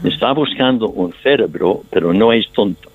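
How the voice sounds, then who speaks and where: A man's voice: on the low side, animated, normal speed, breathy edge, no echo. An older man, a stage actor speaking Spanish as a second language, answering interview questions in a thoughtful, storytelling way. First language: not Spanish. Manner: thoughtful, storytelling, slightly non-native Spanish phrasing. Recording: tinny phone line, dry.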